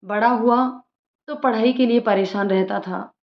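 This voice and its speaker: A woman voicing a lively young woman, an outspoken sister-in-law who jokes and bosses others around. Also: fairly high pitch, measured pace. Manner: bossy, joking, outspoken. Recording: roomy lo-fi room sound.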